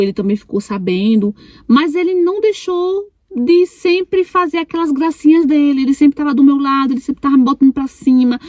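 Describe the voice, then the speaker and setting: A woman's voice: a little high, mellow, no echo. A young woman from Brazil narrating a personal story in a chatty, repetitive way, often turning to her listeners. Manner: chatty, addresses listeners as "gente", many repetitions.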